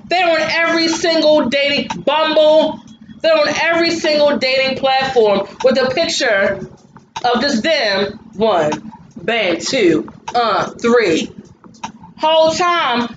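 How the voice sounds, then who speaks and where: A woman co-hosts a podcast in casual chat, hammering her points home in an emphatic rant and repeating lines for effect. Her voice sits in a roomy, echoing space and the recording sounds dull and muffled. Music plays clearly behind her. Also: sits high. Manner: emphatic ranting with repeated phrases. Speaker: podcast co-host.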